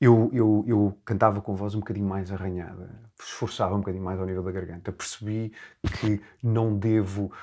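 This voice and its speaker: In a very clean recording with a silent background, a man talks at a fairly quick pace in a fairly low pitch. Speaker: singer and vocal coach. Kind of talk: interview. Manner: halting, many repeated words.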